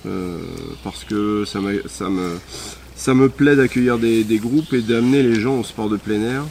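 Low-voiced man, hesitant with fillers. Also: unhurried, a little mellow, a little hiss or hum. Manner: hesitant, many "euh" fillers. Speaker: volunteer sports association president. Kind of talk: casual interview answers. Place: outdoors at a rural hamlet.

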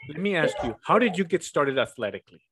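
A man's voice: on the high side, very animated, quick pace, a bit bright, slightly rough. A man hosting a casual interview podcast on a video call, friendly and upbeat, with fillers and laughs. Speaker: podcast host.

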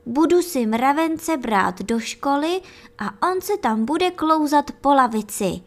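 A woman voicing an eager, dreamy young schoolboy in a children's story, chattering with excitement. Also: sits high, voice pushed up.

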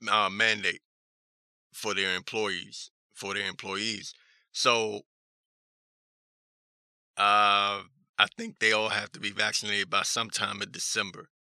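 A man with a hoarse voice giving casual news commentary as a talk show host, halting and repeating himself in a skeptical manner as he reads articles aloud. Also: fairly low pitch, pushed and bright, no room sound, clean studio sound.

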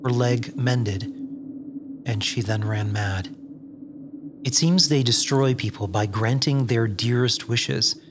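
A man playing a wary, exasperated wasteland survivor in a dark comedy audio drama, terse and cautious, with music behind. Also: medium pitch, slow pace, noisy background, natural voice. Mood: hushed, grave. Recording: music under the voice.

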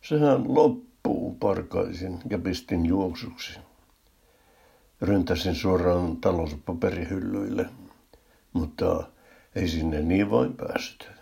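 An older man telling a humorous first-person story in a dry, deadpan way. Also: sits low, gravelly, long pauses, slightly rough.

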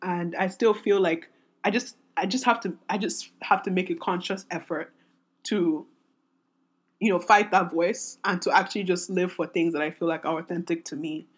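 Raspy-voiced young woman rambling candidly. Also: fairly low pitch, steady tone, normal speed. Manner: rambling, self-interrupting, candid. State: voice strained from singing. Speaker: podcast host. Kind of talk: solo podcast rant.

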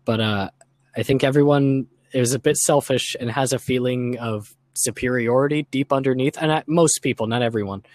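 A man's voice: mid-range voice, normal speed, a little mellow, no echo. A man in a casual, reflective podcast discussion, talking earnestly and thoughtfully in an unscripted way. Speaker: podcast guest or co-host.

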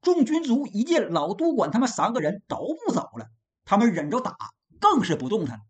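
A woman storyteller narrating a classic novel with a lively, expressive delivery. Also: fairly high pitch, brisk.

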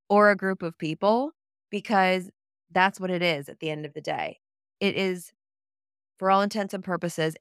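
Upbeat organized lady doing an advice vlog, neat delivery, crisp voice, no room echo. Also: fairly low pitch, clean studio sound. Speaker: career advice vlogger and host. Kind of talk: scripted-sounding advice vlog to listeners.

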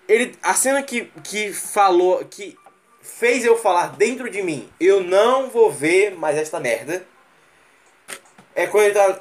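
A man's voice: high-pitched, a bit bright. A man with a Brazilian Portuguese accent hosting a live stream, ranting casually and profanely, mocking scenes with mimicry and sound effects. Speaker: livestream host. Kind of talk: casual rant.

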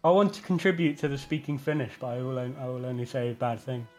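A man co-hosting a podcast in casual chat, teasing the others with quick short interjections. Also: mid-range voice, darkish tone, soft background music. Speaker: podcast co-host.

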